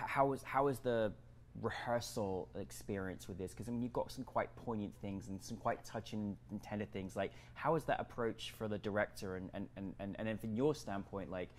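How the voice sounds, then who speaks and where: A man interviewing a filmmaker, warm and halting, often restarting and repeating words. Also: fairly low pitch, a little hiss or hum. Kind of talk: casual interview.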